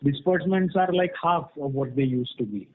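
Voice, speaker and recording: A man's voice: a little high, a little fast. Muffled call-line man, frank executive. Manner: frank, explanatory, often checks with "right?". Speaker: company executive answering analysts' questions. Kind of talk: earnings call question-and-answer, spontaneous explanation. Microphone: conference call. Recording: muffled band-limited conference call line.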